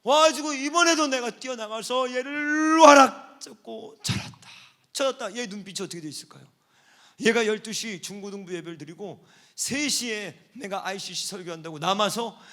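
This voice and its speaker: A male pastor preaching at a church service, his voice pitched high and bright for a man. He tells his stories with wide swings of intensity, dropping to a near-hush and then rising to loud, fervent cries. The delivery stays warm and vivid throughout, the pitch ringing and the tone sharp. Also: very animated, brisk. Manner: storytelling, swinging between hushed and shouting. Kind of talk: sermon.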